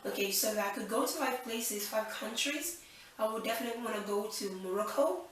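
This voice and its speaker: A woman's voice: on the high side, a little fast, far from the mic. A young woman from Nigeria chats through a casual question-and-answer vlog, upbeat and thinking aloud as she goes. She sits a little back from the mic, and the room echoes heavily around her voice. A faint hum sits under it. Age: 20s. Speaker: channel host.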